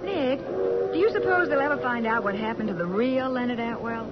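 An actress playing an eager, curious detective's assistant with an inquisitive manner in 1940s radio drama style. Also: female voice, on the high side, fairly quick, natural voice. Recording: dull, noisy 1940s radio recording.

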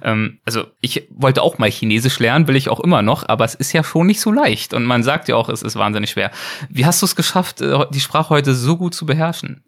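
A man's voice: medium pitch, lively intonation, fairly quick. Laughing male interviewer on a call. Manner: laughs often, hesitant with fillers. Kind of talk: casual interview.

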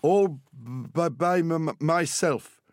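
A man's voice: on the high side, measured pace, no echo, studio quality, pitched above the performer's own voice, natural voice. A man reading a storybook as an earnest, proud young boy who stammers. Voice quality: stammering on words and sounds.

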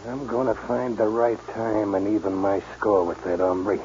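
An actor playing a crude, surly outlaw gunhand with a gruff drawl in a 1940s radio drama. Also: male voice, fairly low pitch, flat delivery, normal speed, a little mellow, natural voice. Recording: dull old radio recording with hiss.

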